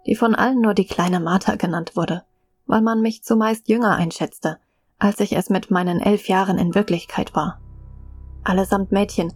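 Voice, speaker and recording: A woman's voice: mid-range voice, a little mellow, slightly rough, lightly acted. An actress playing a medieval peasant girl, the youngest sister, narrating her past matter-of-factly in a radio play. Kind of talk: scripted first-person narration in a German radio play. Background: faint music.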